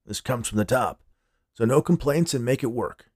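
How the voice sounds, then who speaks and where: A man voicing a gruff, stern male security chief in audio fiction, blunt and commanding, with terse, no-nonsense delivery. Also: mid-range voice, normal speed, dry recording, studio quality, close to an everyday voice. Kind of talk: audio fiction character dialogue.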